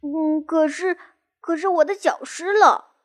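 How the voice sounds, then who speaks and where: A woman voicing a small boy mouse who is bold but easily frightened, shouting when excited and stammering when nervous, in a children's storybook. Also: very high-pitched, measured pace, soft background music.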